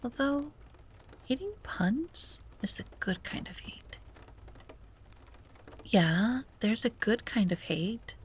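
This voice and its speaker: A woman playing a wistful, self-doubting young sea-witch in an ASMR roleplay, speaking softly and breathily with hesitant musing and frequent drops to a whisper. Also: a little high, animated, slow, pauses often, full character voice. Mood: playfully exasperated. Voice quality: breathy, often dropping to a whisper. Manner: hesitant, musing, sighing, gently playful. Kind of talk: ASMR roleplay, soft intimate monologue.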